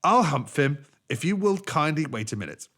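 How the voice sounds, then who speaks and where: A man's voice: fairly high pitch, very animated, normal speed, a bit bright, pitched above the performer's own voice. A man voicing a stern, wily magical djinn of the desert in a storybook, emphatic and admonishing. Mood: brisk, assured.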